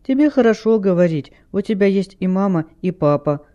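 A man's voice: high-pitched, normal speed, mellow, muffled recording, close to an everyday voice. A man voicing an upset young girl who pleads for help finding her father. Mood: plaintive.

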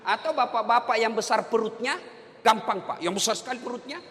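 A man with a very high, bright and forceful voice gives a humorous sermon. He jokes and keeps asking his listeners rhetorical questions. His voice rings out with a long hall reverb. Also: brisk. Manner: jokey, asks the audience rhetorical questions. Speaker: preacher.

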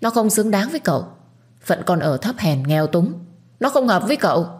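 A woman's voice: mid-range voice, big pitch swings, brisk, darkish tone, voice pushed up, natural voice. A woman voicing a scheming young daughter-in-law who argues defensively and then begs in an audio story. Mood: indignant. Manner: pleading, defensive. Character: scheming young wife of the eldest son, defensive.

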